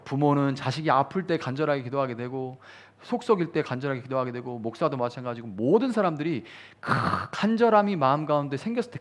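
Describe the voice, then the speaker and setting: A male pastor giving a sermon at a midweek prayer meeting, talking in an easy conversational way, acting out quoted prayers and rising to fervent emphasis. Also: mid-range voice.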